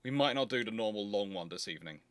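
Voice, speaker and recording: A man's voice: lowish voice, animated, fast, crowd noise. A man hosting a livestream, chatting casually as he explains and answers questions in an emphatic, rambling way. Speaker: host of a naval history question livestream.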